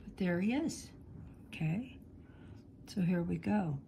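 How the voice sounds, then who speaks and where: Middle-aged woman, sniffly, mellow low voice, talks slow while she shows clay stuff at home. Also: expressive, gravelly, a little hiss or hum. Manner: slow, thinking aloud while working with her hands. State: sniffly, congested. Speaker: polymer clay artist teaching. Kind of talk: relaxed studio demonstration. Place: home studio. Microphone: overhead camera on hands, speaker off screen.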